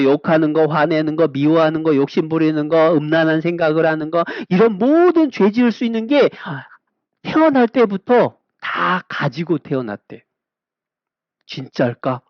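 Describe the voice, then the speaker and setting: High-voiced man teaching kids Bible lesson. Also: normal speed, dry recording. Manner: asks children rhetorical questions with a repeated refrain. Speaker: Sunday school teacher. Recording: dull lo-fi sound.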